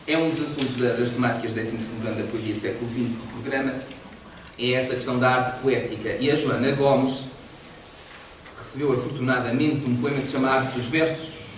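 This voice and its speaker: A man with a mid-range voice teaches a poetry class in a large, echoey library hall, talking a little fast. He explains things in a lively, animated way and laughs often, recorded noisily on a distant mic.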